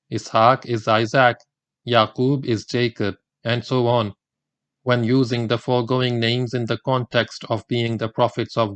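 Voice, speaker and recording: Man, audiobook narrator, measured reading, mid pitch, dry close recording. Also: no room sound. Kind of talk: scripted narration of a religious book.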